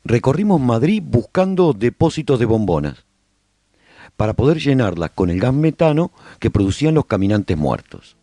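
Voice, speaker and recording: Guy acting as apocalypse survivor telling his story on a radio serial, mellow raspy voice, really varied intonation. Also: mid-range voice, sing-song, moderate pace, dry recording, studio quality. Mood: measured, reflective. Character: male survivor recounting life after a zombie apocalypse. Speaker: narrator of a serial radio drama. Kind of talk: scripted first-person radio drama narration.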